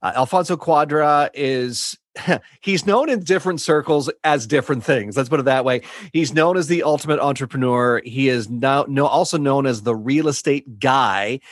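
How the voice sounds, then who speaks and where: A man's voice: mid-range voice, normal speed, no room sound. Podcast host man in a dry room. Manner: friendly, introduces the guest and explains the show logistics. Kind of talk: interview hosting.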